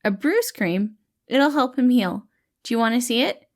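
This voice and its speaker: A woman's voice: fairly high pitch, lively intonation, moderate pace, voice pushed up, lightly acted. A woman voicing a tiny, kindly, cheerful male healer who talks in an eager, reassuring, fatherly way for a storybook. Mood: caring, cheery. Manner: eager, reassuring, gentle, calls people kiddo.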